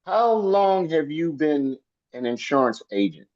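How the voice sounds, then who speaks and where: A man hosting a sales coaching video call, energetic and hyping people up with repeated phrases. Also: a little high, measured pace, lo-fi sound. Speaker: sales coach and meeting host.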